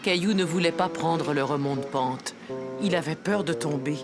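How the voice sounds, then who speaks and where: Woman narrator, slightly low, for children's stories. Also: normal speed, over music. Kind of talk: scripted children's story narration.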